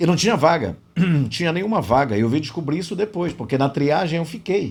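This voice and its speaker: There is vocal fry in this man's voice, pitched fairly high. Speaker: radio announcer. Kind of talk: interview answer, telling a personal story.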